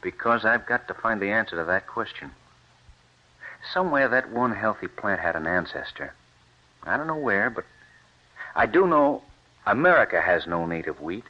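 A young man with a low voice that swings widely in pitch, earnest and intense. The muffled old radio recording dulls the sound. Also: animated, normal speed, long pauses. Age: young adult. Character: earnest young man, stubborn scientist-turned-farmer. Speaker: young scientist turned farmer. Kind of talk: 1940s radio acting.

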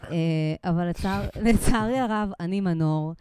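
A woman's voice: medium pitch, a little mellow, a little hiss or hum. A woman co-hosting a podcast in casual chat, talking chattily with lots of fillers and poking fun at herself. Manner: chatty, filler-heavy, self-deprecating. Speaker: podcast co-host.

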